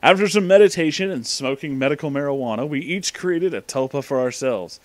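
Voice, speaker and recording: A man's voice: fairly high pitch, animated, brisk, no room sound. A man hosting a casual comic read-aloud, informal and amused, with asides to the listener. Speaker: reader and host of a story-reading show.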